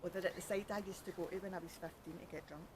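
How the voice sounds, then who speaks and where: A woman's voice: lowish voice, fairly even intonation, very fast, noisy background. A Scottish woman with a Glaswegian accent, hosting a podcast in a rambling, joking chat outdoors by a canal at night, cold. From Scotland. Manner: chatty, joking, self-mocking, rambling. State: cold, fingers freezing. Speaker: podcast host. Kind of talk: casual chat.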